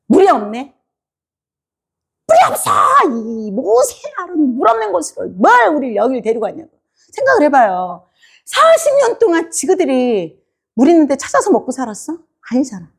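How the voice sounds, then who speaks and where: A woman's voice: sits high, huge pitch swings, fairly quick, gravelly. A woman preacher giving a sermon in a church, quizzing her congregation and acting out the people she talks about. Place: church sanctuary.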